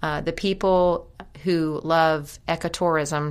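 A woman's fairly low voice, fairly even in intonation, at a very slow pace, on a very clean recording with a silent background. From US South. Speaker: county commission chair. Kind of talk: interview.

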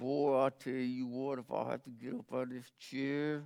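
Using a put-on character voice, a man speaks at a medium pitch and moderate pace with monotone, flat intonation. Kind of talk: colloquial. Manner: stern, talking through clenched teeth.

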